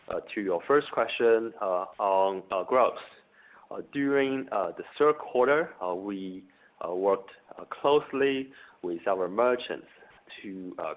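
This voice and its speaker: Man, formal call moderator and interpreter, lower register, thin telephone sound. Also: takes it slowly. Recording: tinny narrowband phone line.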